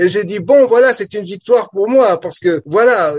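A man talks at a moderate pace. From West and Central Africa (Togo, Gabon, Benin, Ivory Coast, Congo). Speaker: novelist. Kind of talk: interview. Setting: radio studio. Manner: hesitant, repeats words.

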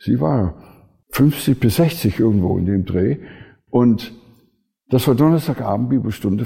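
A man's somewhat breathy, dark and mellow voice at medium pitch, fairly slow, with very wide pitch swings. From US Pacific Northwest, Washington State. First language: English (speaking German). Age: 80s+. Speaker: retired theology professor and missionary. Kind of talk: interview.

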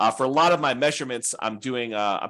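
A man speaks at a fairly quick pace, medium in pitch, against a quiet background. It is a plain, everyday voice. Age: 50s. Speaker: real estate investing educator. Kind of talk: lecture.

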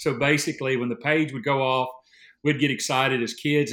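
In a very clean recording with a silent background, a man talks at a very fast pace with monotone, flat intonation. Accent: Tennessee. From Tennessee, Williamson County. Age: 50s. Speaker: electric utility lineman. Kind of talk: casual interview.

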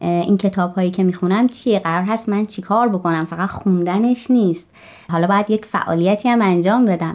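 A calm, fairly quick woman's voice of medium pitch with fairly even intonation. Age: 30s. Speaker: biology graduate and community volunteer. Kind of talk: interview.

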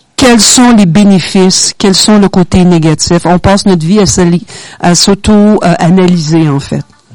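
A woman talks in a normal speaking voice at a medium pitch and a fairly slow pace, with ordinary pitch variation and very even loudness. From Quebec, Montreal. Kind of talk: competitive debate. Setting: radio studio.

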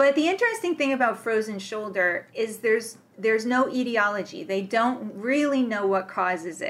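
A woman with a fairly high pitch and lively intonation at a moderate pace, hardly any pauses, over noticeable background noise. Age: 50s. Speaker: medical anthropologist and professor. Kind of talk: interview.

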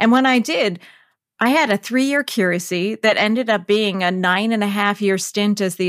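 Here is a woman with an American accent and an unremarkable speaking voice, her intonation lively. The sound is dry and close with no echo, a very clean recording with a silent background. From Connecticut, US. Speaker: Episcopal priest. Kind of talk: casual interview chat.

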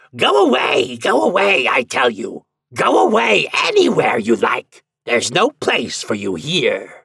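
Putting on a character voice, a man speaks slowly at a medium pitch with very wide pitch swings. His tone is bright and sharp, with vocal fry and a husky, rough edge.

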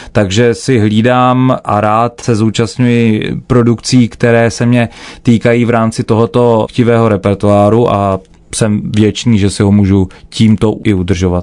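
An ordinary speaking voice, a man talks at a fairly slow pace with medium pitch, fairly even intonation and very even loudness over a quiet background. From Czech Republic. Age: 30s. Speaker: opera singer. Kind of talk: radio interview. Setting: studio.

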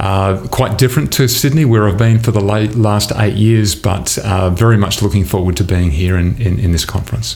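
Someone with an Australian accent speaks at a moderate pace with ordinary pitch variation and hardly any pauses, amid noticeable background noise and audible room echo. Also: man, fairly low pitch for a man, very even loudness. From Adelaide, South Australia. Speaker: church leader, pastor. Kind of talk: interview. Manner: halting.

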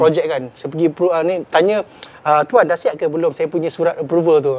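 Noticeable background noise surrounds a man speaking with a high pitch. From Malaysia, Selangor (Shah Alam). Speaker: stand-up comedian and architect. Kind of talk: casual chat; rhyming comedy routine.

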